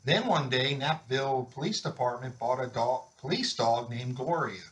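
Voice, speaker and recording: A man's voice: medium pitch, normal speed. A man reads a picture book aloud to children. His voice sits in a middle register, and he tells the story with expression, as if sharing the pages with young listeners. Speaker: volunteer story reader.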